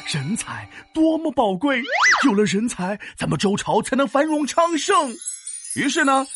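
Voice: medium pitch, sing-song, unhurried, loud music behind the voice. An actor playing a boastful, learned five-thousand-year-old dragon who tells stories to children in a theatrical, teasing, explanatory way. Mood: enthusiastic storytelling. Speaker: storyteller and teacher. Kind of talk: animated children's educational audio drama storytelling.

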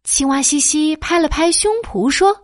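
A woman narrating a children's story in an expressive storytelling tone. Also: sits high, normal speed, no echo, studio quality.

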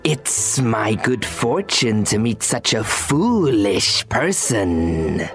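A woman voicing a sly, hungry snake in a children's storybook, drawing out her words slowly. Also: rumbling low, sing-song, pitched below the performer's own voice, full character voice. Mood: scheming. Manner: slow, drawn-out, wheedling. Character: sly hungry snake, sweet-talking then scheming. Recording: faint music behind.

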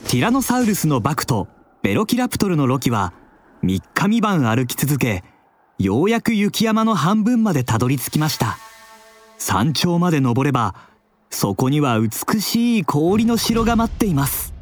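A man narrating a children's storybook drama in an expressive, drawn-out, dramatic manner. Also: fairly high pitch, a little hiss or hum.

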